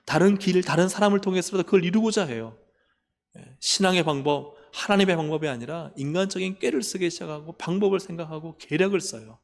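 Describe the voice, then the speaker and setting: A man's voice: high-pitched, quick pace, vocal fry. A male pastor preaching a sermon. He keeps asking the congregation questions and acts out complaining prayers in a raised voice. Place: church sanctuary. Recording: long reverb of a church hall.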